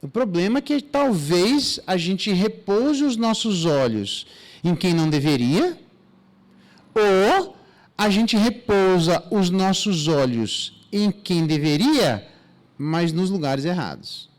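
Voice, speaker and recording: A man with a Brazilian Portuguese accent, a pastor teaching through a Bible passage in a church, casual and animated, with slang asides and mock dialogues. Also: high-pitched, slow pace.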